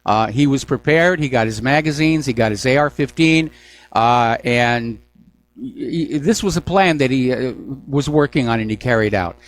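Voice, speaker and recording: Man hosting call-in radio, brisk and businesslike. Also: mid-range voice. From New Hampshire. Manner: brisk, moves callers along with frequent "uh" fillers. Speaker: radio talk show host.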